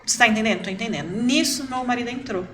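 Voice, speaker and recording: A middle-aged woman, a podcast guest, telling a family story in a lively way and repeating words for emphasis. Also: fairly high pitch, racing, background noise. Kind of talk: casual storytelling.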